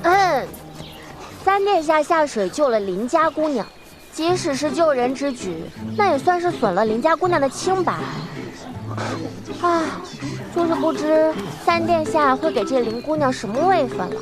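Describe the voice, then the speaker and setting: High-voiced gossipy young maid. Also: female voice, animated, normal speed. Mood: gossiping. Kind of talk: period drama acting. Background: soundtrack music.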